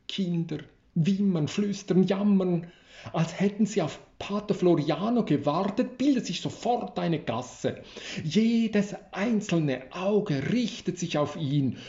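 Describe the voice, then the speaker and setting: A man reads a story aloud at a slow, measured pace. His voice sits fairly high, with a mellow tone. The recording is roomy and a little dull. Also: creaky. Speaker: narrator. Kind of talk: storybook reading.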